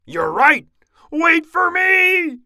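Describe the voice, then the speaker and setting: A man voicing a brave, bossy mouse commanding officer with a squeaky, blustering military delivery for a children's storybook. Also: sing-song, slow, vocal fry, sharp tone, husky, no room sound, clean studio sound, exaggerated voice. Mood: alarmed, hasty.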